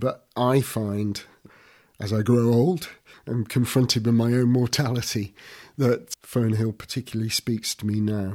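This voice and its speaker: A man talks at a fairly slow pace in a normal speaking voice, medium in pitch with fairly even intonation. The recording is very clean, with a silent background. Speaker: retired lecturer. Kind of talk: poem reading. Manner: measured, lilting, reflective reading of Fern Hill.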